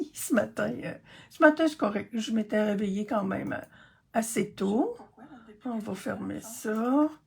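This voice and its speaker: A woman speaks at a fairly slow pace, her fairly high voice somewhat breathy. Her pitch varies in an ordinary way. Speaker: craft video creator. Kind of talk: crafting tutorial; casual chat. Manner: hesitant, many fillers.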